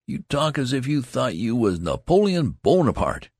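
A loud young soldier full of swagger and country talk, his voice jumping high and all over the place, as a man reads him. He bristles when doubted, with a gravelly, husky edge underneath. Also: sing-song, unhurried, no echo, heavily acted. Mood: indignant. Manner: country dialect, boastful and indignant. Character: boastful loud young male soldier, brash and touchy. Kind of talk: audiobook character reading.

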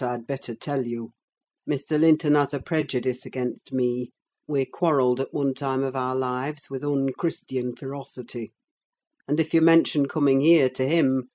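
A woman voicing a bitter, scornful middle-aged landowner in an audiobook, speaking in a gruff, contemptuous way. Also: very deep voice, fairly even intonation, moderate pace, mellow. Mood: stern. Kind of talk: audiobook character voice.

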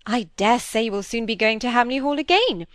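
A woman's voice: a little high, animated, fairly quick, fairly bright tone, no echo, studio quality. A woman voicing a bossy, gossiping elderly spinster who talks in an emphatic, scolding way. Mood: prying.

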